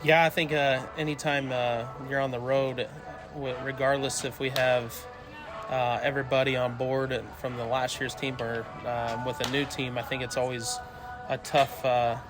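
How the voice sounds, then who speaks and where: A man giving casual answers as a sports interview guest, with halting, hesitant phrasing. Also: medium pitch, flat delivery, music in the background.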